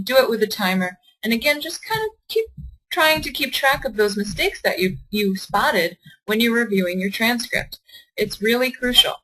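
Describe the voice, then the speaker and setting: Woman, young adult, test prep tutor, encouraging, bright, clear tone. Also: mid-range voice, rough recording. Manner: encouraging, asks the class questions and reads out their answers. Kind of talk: online class teaching.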